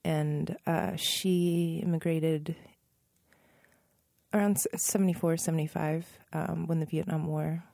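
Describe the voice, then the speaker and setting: A woman in her thirties from Northern Virginia, a musician answering interview questions in a relaxed, thoughtful way, pausing and correcting herself and laughing softly. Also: sits low, creaky, no echo, studio quality. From Northern Virginia, USA. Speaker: musician guest.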